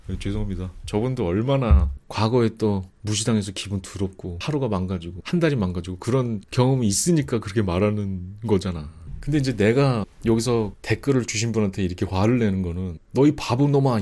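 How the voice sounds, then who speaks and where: A middle-aged man giving impassioned advice to his viewers, scolding them and mocking their complaints in whiny quoted voices. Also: on the low side. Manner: animated, mock-quoting others in whiny voices, scolding. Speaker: video creator answering viewer comments.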